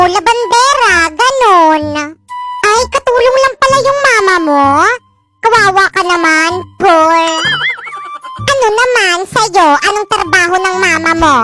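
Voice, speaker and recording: Bratty children, as a woman voices them, trade boasts and insults in a comedy skit. The voices sit extremely high, and loud music plays under them. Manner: taunting, boastful.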